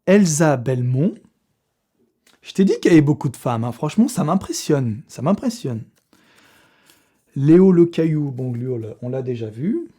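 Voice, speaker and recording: Hosting a giveaway draw on his fitness channel, a young man talks casually to camera in chatty, slangy French, swearing and laughing often. He speaks at normal speed in a sing-song, warm, breathy voice that sits high, with long pauses.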